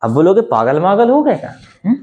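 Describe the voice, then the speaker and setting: A man whose first language is Hindi, teaching a spoken English lesson and explaining slowly with many rhetorical questions. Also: sits high, big pitch swings, darkish tone, dull audio.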